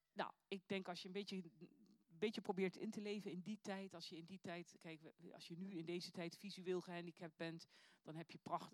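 A woman's voice: on the low side, no echo. A woman reading scripture aloud and then giving an earnest, reflective sermon that poses searching questions to her listeners. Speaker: preacher.

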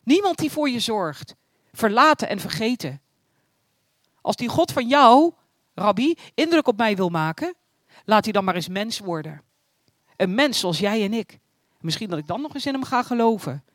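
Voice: medium pitch, big pitch swings, normal speed, long pauses, a bit bright, no room sound, clean studio sound. A reader voicing a bitter old desert man. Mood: bitter, defiant. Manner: defiant, scornful. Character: lonely, bitter old male desert dweller.

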